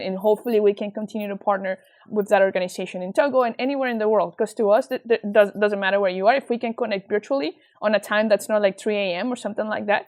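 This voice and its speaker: A woman's voice: mid-range voice, darkish tone. Earnest woman with a Venezuelan accent. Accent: Venezuelan Spanish. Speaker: guest, nonprofit founder. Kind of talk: casual interview chat.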